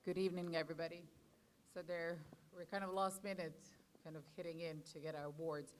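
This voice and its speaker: A woman's voice: on the low side, fairly even intonation, brisk, a little hiss or hum. A woman from Serbia with a Serbian accent, an artist giving an informal, slightly scattered thank-you speech at a conference.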